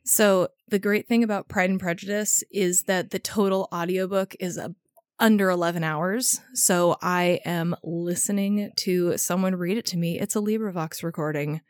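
A woman's voice: fairly low pitch, fairly even intonation, normal speed, dry recording, clean studio sound. A woman co-hosting a podcast, chatting casually and playfully with a friend in informal language. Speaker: podcast co-host. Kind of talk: casual chat between friends.

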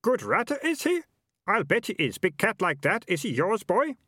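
A man's voice: sits high, very animated, moderate pace, sharp tone, no echo, clean studio sound, pitched above the performer's own voice, exaggerated voice. A man voicing a nosy, wheedling townsman in a storybook, pushy and full of bargaining questions.

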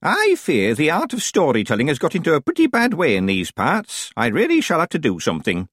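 Storybook old witch played by a man: high, wildly animated pitch, proud and sly, old-fashioned genteel manner. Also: fairly quick, no echo, studio quality, full character voice. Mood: indignant, vexed. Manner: crisp, dramatic, old-fashioned genteel phrasing. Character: old woman witch, sly, proud, theatrical, kindly stern. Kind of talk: audiobook character voice.

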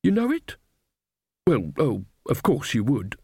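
A man's voice: medium pitch, huge pitch swings, unhurried, vocal fry, a little mellow, slightly rough, no room sound, clean studio sound, exaggerated voice. A man voicing a mild, cheerful old fairy godmother woman who chats and rambles. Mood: mild, chatty.

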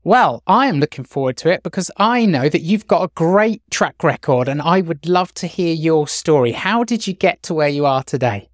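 A man's voice: fairly high pitch, lively intonation, moderate pace, few pauses, dry recording, clean studio sound. A man hosting a podcast, introducing his guest in a friendly way with some fillers. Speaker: podcast host. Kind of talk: conversational interview.

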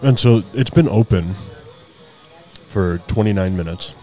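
A man's voice: lowish voice, a little slow, mellow, faint music behind. A man chatting casually and describing a burger in detail as he eats it. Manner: descriptive, enthusiastic about the food. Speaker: co-host of a food review show. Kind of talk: casual chat while eating.

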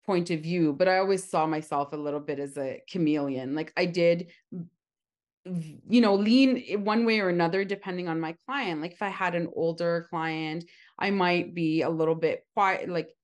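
A woman co-hosting a casual podcast, talking in a loud, lively way. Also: lowish voice, moderate pace. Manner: loud and lively, says she has a loud voice. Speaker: podcast co-host, esthetician.

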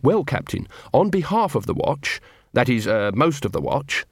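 A man's voice: mid-range voice, big pitch swings, moderate pace, breathy edge, no room sound, studio quality. Man voicing an earnest young corporal.

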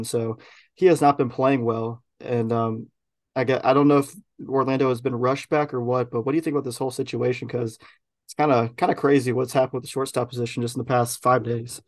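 A man's voice: mid-range voice, quick pace. A man hosting a podcast, chatting casually about a baseball team's week, talking loosely with lots of ums and restarts. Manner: relaxed, rambling with many fillers. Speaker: podcast host. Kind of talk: casual sports chat.

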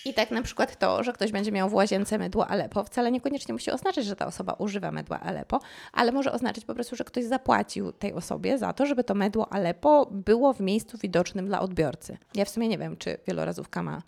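A hoarse woman with a cold, talking to camera in a lively, ironic way and stretching words for emphasis. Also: mid-range voice, fast, dry recording. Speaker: YouTube vlogger. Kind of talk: casual commentary to camera.

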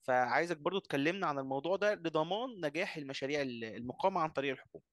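A man's voice: a little high, lively intonation, very fast, a bit bright, dry recording, clean studio sound. A man with an Egyptian Arabic accent hosting a podcast, asking long, winding questions. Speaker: podcast host. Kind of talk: interview questions.

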